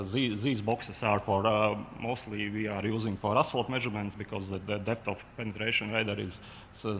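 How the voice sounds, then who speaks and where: A man with a Latvian accent giving a technical conference presentation, halting with many fillers and restarts. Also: on the low side, gravelly, fairly bright tone, a little hiss or hum. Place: large conference hall. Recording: long hall reverb, faint ambience.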